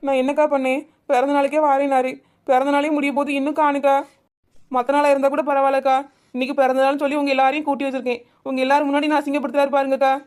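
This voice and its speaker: In a village family drama, a woman plays a young wife who trades quick, sharp-tongued teasing with her neighbours, then turns wounded and hurt, feeling let down by her husband. Her voice is high with a flat delivery and sounds natural.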